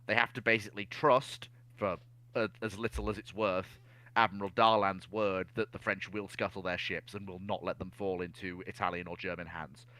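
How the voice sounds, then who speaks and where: Bright-voiced man analysing history. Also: low-pitched, steady tone, normal speed. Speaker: naval history discussion panelist.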